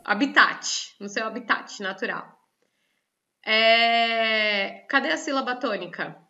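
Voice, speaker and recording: Speaking slowly in a voice on the high side, this woman is heard through a muffled recording. She has a Brazilian Portuguese accent and teaches a lively online lesson, checking in with students by asking them questions often.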